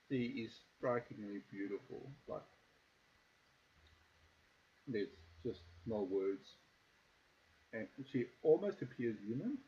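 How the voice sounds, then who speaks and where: A man with a South African accent narrating a tabletop game as game master in a relaxed, loose way with many fillers. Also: on the low side, highs cut off, slight background noise.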